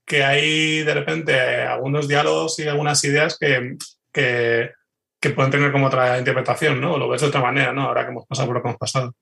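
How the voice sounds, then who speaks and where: A man's voice: mid-range voice, level tone, fast, gravelly, pushed and bright. A man with a Spain accent answering in a conversational interview, hesitantly repeating words as he thinks. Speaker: podcast guest, fiction writer.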